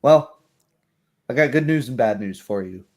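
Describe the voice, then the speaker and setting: A man's voice: medium pitch, animated, moderate pace, a little mellow, lightly acted. A man voicing an unperturbed, plain-spoken village woman in a tabletop roleplay, in a hesitant, matter-of-fact way. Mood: unperturbed, wary.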